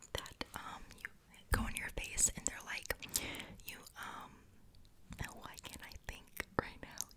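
Whispering very slowly, a soft-spoken woman is heard over loud background noise. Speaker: ASMR creator. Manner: close, soft ASMR whisper. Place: home room. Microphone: studio mic.

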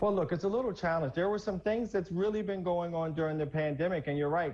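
The man's intonation moves about in a lively way as he talks. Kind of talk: interview answer. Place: home room. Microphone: video call.

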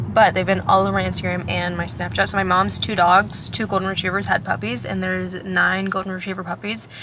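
Over noticeable background noise, a woman speaks at a fairly quick pace, the sound dry with no echo. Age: 20s. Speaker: lifestyle vlogger. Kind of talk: casual vlog narration. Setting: outdoors. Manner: animated.

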